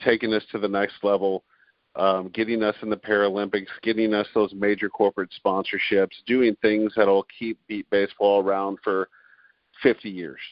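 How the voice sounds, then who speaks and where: A man's voice: on the low side, level tone, moderate pace, no room sound, highs cut off. A man in his forties, talking earnestly as a podcast guest, with frequent restarts and fillers. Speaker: guest, beep baseball player and league president. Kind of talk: podcast interview, conversational.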